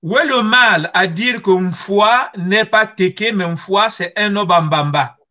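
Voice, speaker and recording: A middle-aged man speaks with a Congolese accent in a high, forceful voice. He takes his time, setting out his testimony earnestly and with emphasis, often through rhetorical questions. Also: slow pace, dull audio. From Congo-Brazzaville. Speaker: guest speaker. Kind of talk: personal testimony on history and identity. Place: small furnished room at home, video call.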